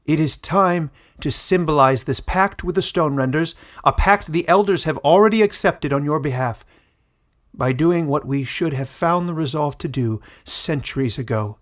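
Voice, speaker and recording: A man playing a commanding, zealous tribal elder, giving loud ceremonial oratory in a fantasy audiobook. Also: a little high, moderate pace, voice pushed up, lightly acted. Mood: zealous, proclaiming.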